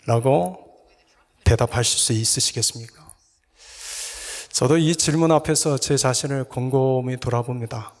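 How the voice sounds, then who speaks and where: A male pastor preaching a sermon, earnestly putting rhetorical questions to his congregation and sometimes dropping to a soft whisper. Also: mid-range voice, steady tone, measured pace, pauses often. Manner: earnest, addresses listeners with repeated rhetorical questions. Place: church sanctuary. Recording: long reverb of a church hall.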